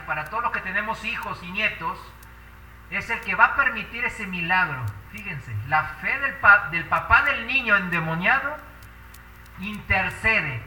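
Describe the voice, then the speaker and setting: A man's voice: high-pitched, pushed and bright, roomy sound, recorded from a distance, slight background noise, rough recording. A man preaching a sermon with passion, asking the congregation rhetorical questions.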